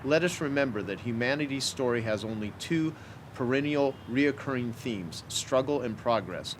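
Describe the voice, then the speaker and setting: Man reading formally over faint rumble. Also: expressive, moderate pace. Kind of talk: scripted motivational reading.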